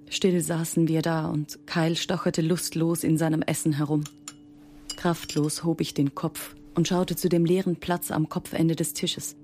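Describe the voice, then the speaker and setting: A woman's voice: low-pitched, darkish tone, a little hiss or hum. An actress playing a grieving, exhausted mother in an audio drama, subdued and emotional. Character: grieving, exhausted mother of a missing son, Sun Jin. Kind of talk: audio drama acting with first-person narration.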